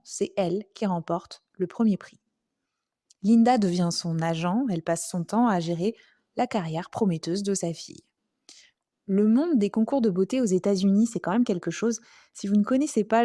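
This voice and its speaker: A woman's voice: mid-range voice, warm tone, dry recording, clean studio sound. A French woman hosting a true crime podcast, narrating a case in a casual, chatty way with asides.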